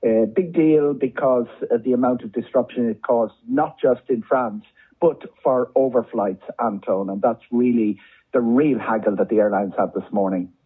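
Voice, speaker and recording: A man's voice: medium pitch, normal speed, breathy edge, narrow, tinny audio. A man with an Irish accent, a travel journalist giving conversational, discursive commentary as a guest, often repeating words for emphasis.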